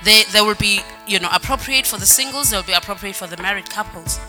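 A woman preaches with a very bright, sharp voice, repeating words for emphasis and drawing out some phrases in a sing-song lilt. Her voice rings through a reverberant hall with faint music underneath. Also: mid-range voice, fast. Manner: sings some phrases, varies pace. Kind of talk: sermon. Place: church hall.

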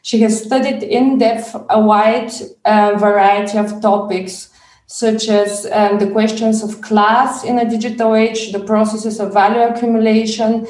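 Woman moderator introducing a guest; flat, mellow delivery, heard from far off in a roomy space. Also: fairly high pitch, a little slow. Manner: hesitant, many fillers. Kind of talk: reading a speaker introduction. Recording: roomy sound, distant from the mic.

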